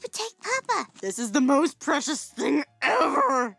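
A woman's voice: high voice, very animated, unhurried, creaky, fairly bright tone, dry recording, faint music behind, heavily acted. A woman voicing cutesy, brash cartoon skeletons and children in a playful, exaggerated comic dub style. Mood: cutesy, excited. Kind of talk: comic dub character acting.

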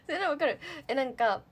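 Lively, high-voiced young woman chatting on a livestream. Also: moderate pace. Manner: chatty and giggly, with lots of fillers. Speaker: idol trainee livestreamer. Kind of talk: casual livestream chat reading viewer comments.

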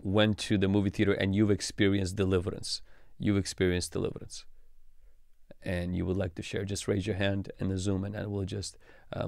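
A man in his thirties hosts a call-in livestream as a pastor, cheering callers on with quick affirmations. His voice is very deep. It comes through a boom-arm studio mic with a dry, close sound. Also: vocal fry, a little mellow, dry recording. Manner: encouraging, short affirmations. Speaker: pastor hosting a live stream.

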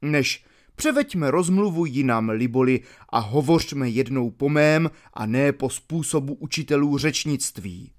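A man voicing a genial, seasoned Roman orator in an audiobook reading of a classical dialogue, with deliberate, instructive delivery. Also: medium pitch, expressive, close to an everyday voice. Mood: measured. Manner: deliberate, instructive delivery of long archaic sentences.

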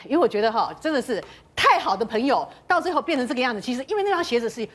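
A woman's voice: a little high, big pitch swings, rapid-fire, a bit bright. A woman telling celebrity gossip as a panel guest, dramatic and full of interjections. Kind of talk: animated gossip storytelling.

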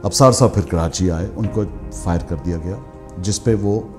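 Mellow-voiced man telling career stories. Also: low-pitched, normal speed, faint music behind. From Pakistan. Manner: animated storyteller, mixes English phrases into his speech. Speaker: media veteran recounting his career. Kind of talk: candid memoir conversation.

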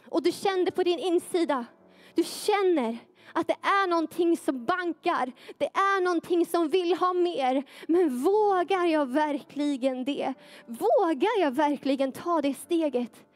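High-voiced woman preaching fervently. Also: dry recording. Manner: fervent, repetitive, prayerful. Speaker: youth preacher. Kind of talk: sermon with prayer.

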